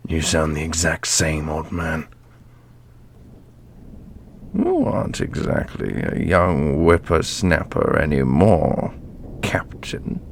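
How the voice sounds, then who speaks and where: Man playing a low, dry veteran captain. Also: very animated, takes it slowly, creaky, pauses often, a little hiss or hum, heavily acted. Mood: warm, teasing. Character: weary male veteran captain, centuries old, dryly bantering. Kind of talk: ASMR fantasy audio roleplay.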